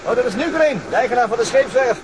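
A man's voice: very high voice, lively intonation, fast, very noisy. An actor playing an easygoing middle-aged father on holiday, casual and dryly grumbling, in a naturalistic drama. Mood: relaxed.

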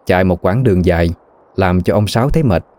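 Deep dark-voiced male storyteller. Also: quick pace, no room sound. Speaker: narrator. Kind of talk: scripted narration of a ghost story.

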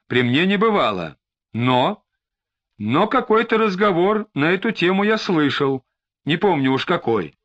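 A man's voice: on the high side, sing-song, unhurried, fairly bright tone, voice pushed up. A man voicing a frightened, tearful middle-aged suspect who pleads and snaps irritably. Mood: agitated. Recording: slightly dull lo-fi recording.

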